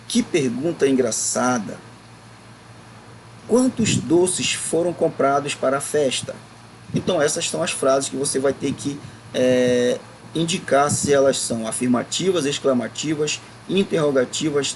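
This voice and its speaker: Male teacher, a bit higher-pitched, patient and drawn-out, faint hiss behind. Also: darkish tone, low-quality recording. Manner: patient, drawn-out explaining, stretching words to stress syllables. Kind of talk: recorded classroom lesson.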